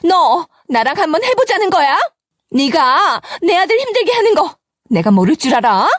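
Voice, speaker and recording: A woman putting on a shrill scolding older mother-in-law. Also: very animated, unhurried, no room sound, clean studio sound. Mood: furious.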